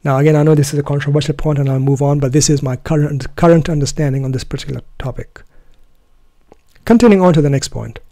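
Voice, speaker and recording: A man whose first language is Urdu gives an earnest, deliberate solo talk about his method of study, often restarting phrases to stress a point. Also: fairly high pitch, dark tone, dry recording, studio quality. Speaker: Quran student presenting his method.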